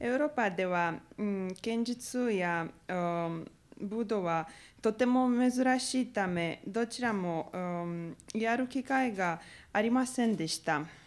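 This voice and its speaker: A woman with a Romanian accent speaks at a very slow pace. Her intonation is lively. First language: Romanian (speaking Japanese). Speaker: graduate student. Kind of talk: speech contest speech. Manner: formal.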